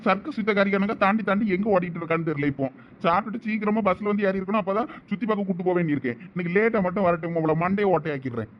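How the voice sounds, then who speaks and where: A man's voice: sits high, very fast, muffled recording, slight background noise, lightly acted. A man playing a senior student, keeping up a nosy running commentary on what he sees. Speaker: senior student in a comedy skit.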